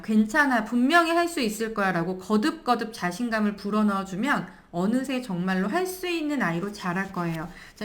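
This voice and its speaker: A woman parenting coach in her thirties, talking through a book on child discipline and acting out short dialogues between parent and child. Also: on the high side. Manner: animated, acts out little dialogues. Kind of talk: book review lecture.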